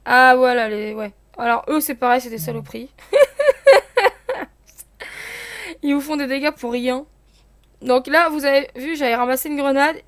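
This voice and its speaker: A woman's voice: high-pitched, steady tone, a little fast, a bit bright, dry recording. A young woman giving casual commentary while playing an online game, chatty and explaining things to her viewers. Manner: chatty, explains rules to viewers with many fillers. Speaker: gaming channel host.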